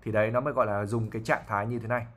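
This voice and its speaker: A man's voice: on the low side, fairly even intonation, racing, a bit bright. A man, an English teacher patiently explaining a novel line by line, with fillers and frequent checks for understanding.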